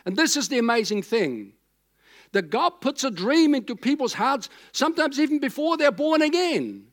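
A man in his sixties from Austria, a German speaker, preaching a sermon in a conversational, rambling way with emphatic repetition. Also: high voice. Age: 60s. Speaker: pastor.

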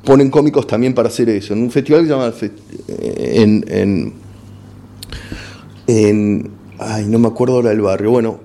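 Mellow-voiced Argentine comedian, frank and halting. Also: male voice, fairly low pitch, slight background noise. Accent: Argentine Spanish. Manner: frank, repeats words and restarts while searching for words. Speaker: stand-up comedian guest. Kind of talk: casual interview chat.

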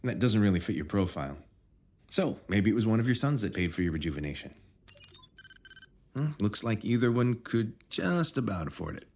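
An actor playing a probing, officious rejuvenation officer in an audio drama, measured and insinuating. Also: male voice, fairly low pitch, sing-song, a little mellow. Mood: probing, smug.

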